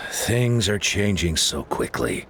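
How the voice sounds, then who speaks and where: A man playing a grave, worried tribal elder in a video game, speaking in a measured, courteous, solemn way. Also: low-pitched, very animated, fairly bright tone, a little hiss or hum, full character voice.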